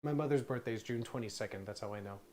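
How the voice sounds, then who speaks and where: A man in his thirties, a streamer and former bartender, chatting casually in a rambling way with quick asides. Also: medium pitch, a little mellow. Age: 30s.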